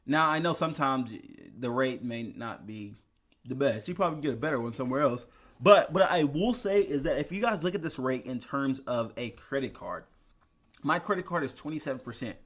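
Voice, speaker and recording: A man's voice: mid-range voice, animated, a little fast, fairly bright tone. A young man chatting casually in an investing vlog, tired from little sleep and talking in a rambling way with many restarts. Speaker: finance YouTuber.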